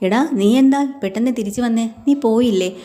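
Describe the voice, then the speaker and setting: A woman's voice: on the high side, brisk, dark tone, close to an everyday voice. A woman playing a prying, worried mother. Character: anxious middle-aged mother questioning her son.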